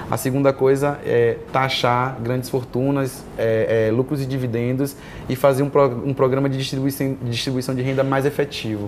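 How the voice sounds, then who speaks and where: The speaker keeps a moderate pace with hardly any pauses, in a monotone, flat intonation. Noticeable background noise sits behind the voice. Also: man, medium pitch for a man. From Salvador, Bahia, Brazil. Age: 30s. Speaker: LGBT activist. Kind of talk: interview.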